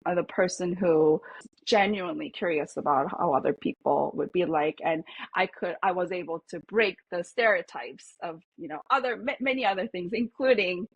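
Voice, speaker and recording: A woman's voice: on the low side, moderate pace, husky, dry recording, lo-fi sound. A woman psychologist, originally from Korea with Korean as her first language, reflecting in a podcast interview with many fillers and restarts. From South Korea. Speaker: psychologist guest.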